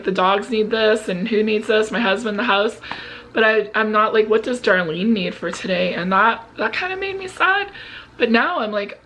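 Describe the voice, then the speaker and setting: A woman's voice: mid-range voice, fairly bright tone, a little hiss or hum, low-quality recording. A woman of about fifty talking casually and earnestly to her viewers in a confessional way. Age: 49, turning fifty. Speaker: vlog host. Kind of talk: casual personal chat to viewers.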